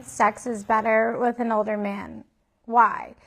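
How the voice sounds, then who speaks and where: A woman's voice: a little high, flat delivery, takes it slowly, a bit bright. A woman in her twenties speaking frankly and matter-of-factly in a documentary interview. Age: 20s.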